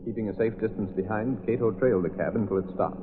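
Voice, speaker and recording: A man's voice: lowish voice, fast. A male announcer narrating a 1930s radio drama in a dramatic, declamatory way, on a scratchy, narrow old recording.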